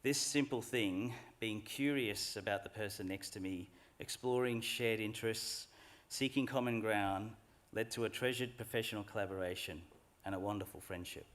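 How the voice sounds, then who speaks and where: A middle-aged man giving a formal graduation address from a lectern microphone in a large hall, in a measured and earnest way. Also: fairly low pitch, a bit bright. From Australia. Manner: measured, earnest, reflective speech delivery. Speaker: graduation speaker.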